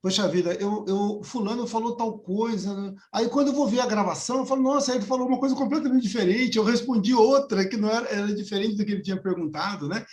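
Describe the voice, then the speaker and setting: A man's voice: high voice, quick pace, few pauses, darkish tone, reverberant. A man in a casual study group discussion, talking hesitantly with many restarts and tag questions.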